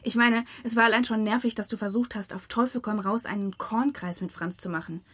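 A bitter female activist with a fairly high, breathy voice. Her delivery is pointed and accusing, in naturalistic radio drama dialogue. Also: a little fast, fairly bright tone. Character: resentful young activist confronting a friend, accusing and bitter.

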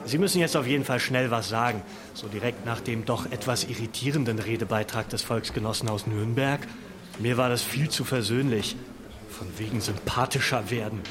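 An actor playing a gruff, bossy party comrade in a radio drama, speaking in a brusque, commanding way. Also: male voice, mid-range voice, fairly quick, natural voice. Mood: brisk, bossy. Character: gruff, bossy far-right party comrade, adult man. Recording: busy crowd behind the voice.

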